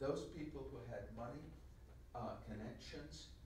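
Audible room echo and light background noise surround the recording. A man talks at a moderate pace. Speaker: guest, journalist. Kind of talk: lecture. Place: classroom. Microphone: camera far.

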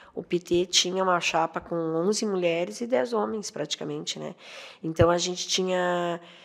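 At a fairly slow pace, a woman speaks with fairly low pitch and ordinary pitch variation over a quiet background. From southern Brazil, Uruguaiana (Rio Grande do Sul); Rio Grande do Sul, Brazil. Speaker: city councillor and teacher; city councillor, teacher. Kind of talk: interview. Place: studio. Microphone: studio mic.

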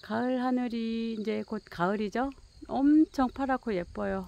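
The speech moves at a very slow pace, and the sound is dry with no echo. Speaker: rural vlogger. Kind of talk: vlog narration while walking outdoors. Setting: outdoors. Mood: admiring, calm. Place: farm machine. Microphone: phone near.

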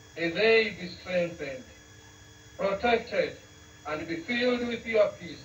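A high-pitched man with a Kenyan accent and lively intonation, over noticeable background noise. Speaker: church minister leading prayer. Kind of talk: fervent public prayer at a swearing-in, opening with a St Francis peace prayer. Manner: solemn, earnest and pleading, with a steady, rhythmic cadence.

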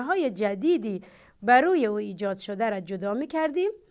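The speaker is a woman whose pitch makes very wide swings. The background is quiet. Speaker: biology teacher. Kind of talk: lecture. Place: studio.

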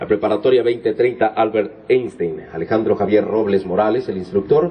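Over light background noise, a man with a fairly low pitch talks at a fairly slow pace with ordinary pitch variation. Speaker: ceremony announcer. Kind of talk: formal announcement. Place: street.

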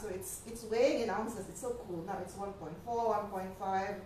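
A woman speaks over light background noise. Audible room echo surrounds her voice. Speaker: presenter. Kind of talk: tutorial. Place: kitchen.

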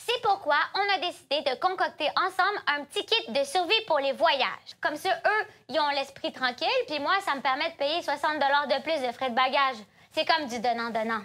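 With faint music in the background, a woman with a Quebec accent uses a raised, projected voice. She speaks at a high pitch and a moderate pace, with lively intonation. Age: 20s. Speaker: comedian. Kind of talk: comedic sketch. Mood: playful sarcastic humour. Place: studio.

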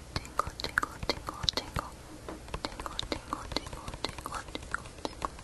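Whispering, a woman speaks at a fairly quick pace. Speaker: ASMR artist; ASMR creator. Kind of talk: ASMR trigger words. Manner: whispered.

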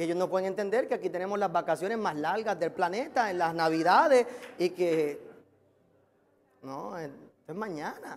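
A man with a high pitch talks at a moderate pace with ordinary pitch variation. He takes long, frequent pauses. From Puerto Rico. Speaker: pastor. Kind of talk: sermon. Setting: church. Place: church. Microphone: lapel.

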